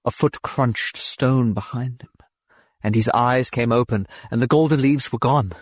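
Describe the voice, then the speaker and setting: A man reading a science fiction short story as an audiobook narrator, in a measured, expressive literary manner. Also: medium pitch, dry recording.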